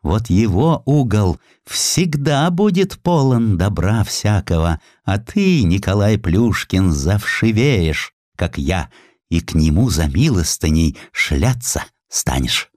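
A man voicing a ragged male holy fool who prophesies in a pointed, drawn-out way, in an audiobook story. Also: fairly low pitch, expressive, darkish tone, no room sound, studio quality. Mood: ominous prophesying.

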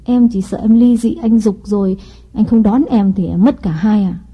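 A man's voice: high voice, moderate pace, dark tone, slightly rough, voice pushed up. A man voicing a scheming young wife who coaxes and pleads in a sweet, whiny tone. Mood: pleading.

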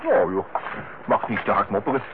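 An actor playing a lighthearted, teasing youngest brother in a Dutch radio play, with a jovial, bantering manner. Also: male voice, on the low side, sing-song, fairly quick. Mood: breezy. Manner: jovial, bantering, chuckling way of talking. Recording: dull, noisy old radio play recording.

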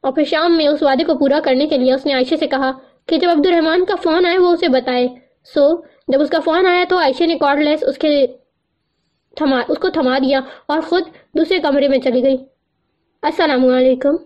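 A woman narrating a novel aloud with steady, even storytelling delivery. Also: high voice. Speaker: audiobook narrator. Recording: muffled lo-fi recording.

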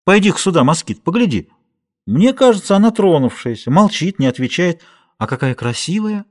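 A man reading a novel aloud, voicing a kind, motherly woman who gently comforts a stranger. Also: fairly low pitch, big pitch swings, normal speed, pitched above the performer's own voice. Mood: startled. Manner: gentle, soothing, compassionate.

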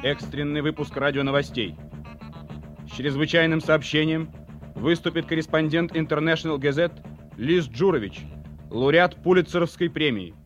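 An actor playing a solemn radio news announcer in an audio drama, formal and declamatory. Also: male voice, fairly high pitch, moderate pace, soft background music, close to an everyday voice. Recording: dull, lo-fi radio sound.

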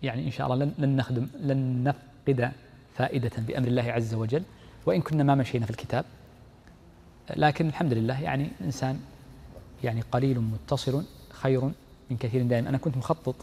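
A man's voice: medium pitch, steady tone, racing, gravelly, dark tone, a little hiss or hum. A man teaching a lesson in Islamic law, explaining a text step by step and often repeating his key points. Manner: explains step by step, repeats key phrases, reads the text aloud then comments. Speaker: sheikh teaching Islamic jurisprudence. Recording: long hall reverb.

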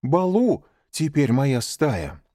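A man voicing an excitable jungle boy in an audiobook, pleading in a raised voice. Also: mid-range voice, slow, no room sound, studio quality, voice pushed up. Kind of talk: audiobook character voice.

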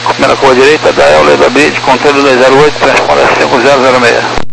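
A Brazilian man works the aviation radio as an airline pilot. His voice is heavily gravelly, and it comes over a walkie-talkie link with clear noise throughout. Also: mid-range voice, little pitch movement, quick pace. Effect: walkie-talkie style aviation radio. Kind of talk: radio communication with air traffic control. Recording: noisy two-way radio transmission.

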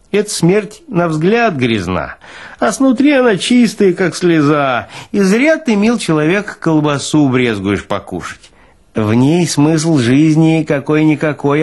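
A man's voice: a little high, darkish tone, pitched above the performer's own voice. A man voicing a folksy, philosophizing morgue orderly in a dramatized literary reading, insistent and colloquial in his exclamations.

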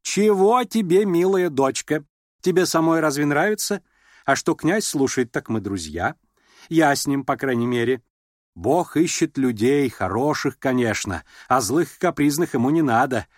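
A commanding noblewoman of middle years , voiced by a man reading an audiobook, snaps and scolds in a raised, lifted voice. Her speech swings widely in pitch, full of scorn. The sound is close and dry. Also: expressive, normal speed, dry recording, lightly acted. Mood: scolding. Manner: haughty, scolding, abrupt. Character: imperious middle-aged noblewoman, irritable, sharp-tongued mother.

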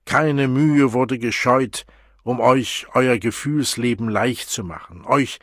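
A man's voice: medium pitch, takes it slowly, a bit bright, slightly rough, no room sound, studio quality, voice pushed up. A man voicing a cold, lofty male World Controller who lectures students emphatically in an audiobook. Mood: lecturing.

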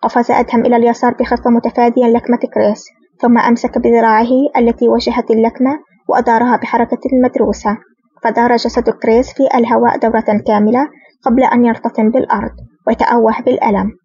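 A woman reads a thriller aloud at a very fast pace, her voice husky and slightly high. The sound is dry and lo-fi, with a muffled top. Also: little pitch movement, mellow, dry recording. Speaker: narrator. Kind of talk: audiobook narration of a spy thriller. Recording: dull lo-fi dry recording.

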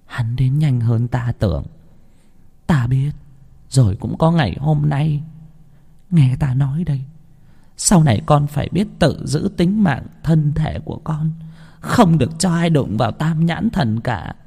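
Man doing a shrill hunched old grandmother. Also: animated, a little slow, vocal fry, warm tone, slightly rough, exaggerated voice. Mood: grave urgent. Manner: pleading then shrieking in fury. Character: frail hunched old grandmother, fierce and desperate.

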